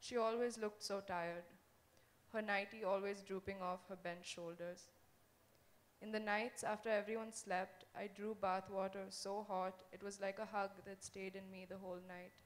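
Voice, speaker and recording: The delivery moves at a moderate pace. Its intonation stays monotone and flat. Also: woman, medium pitch for a woman. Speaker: poet. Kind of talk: poetry reading and panel discussion. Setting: stage with audience. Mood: reflective, intimate. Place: stage.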